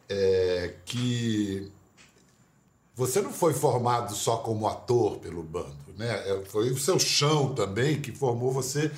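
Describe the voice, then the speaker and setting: A man hosting a talk show, asking measured questions and praising his guest. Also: medium pitch. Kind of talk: interview questions. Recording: roomy echo.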